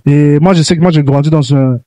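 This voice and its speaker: A man's voice: on the high side, fairly even intonation, brisk, dark tone, no echo. A man hosting a Christian youth talk show, speaking earnestly and exhorting young listeners, with many restarts. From grew up in Canada. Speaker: host.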